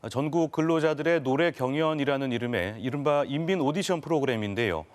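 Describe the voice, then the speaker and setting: Male studio news presenter, scripted delivery, average pitch. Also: a little fast. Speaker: TV news program host.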